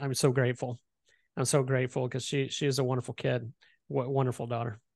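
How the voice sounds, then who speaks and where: A man does a put-on character voice, raspy and medium-pitched, at a very fast pace. His intonation is monotone and flat against a quiet background. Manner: grateful, emotional.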